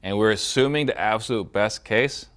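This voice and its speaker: A man leading a recorded sales training course, explaining briskly and acting out sample phone dialogues. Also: lowish voice, fairly bright tone.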